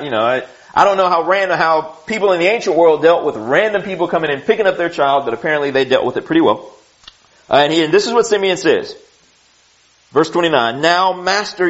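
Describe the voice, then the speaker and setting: A man preaching a sermon, reading scripture and teaching it in a conversational way, with frequent asides and restarts. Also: on the high side. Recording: dull lo-fi recording.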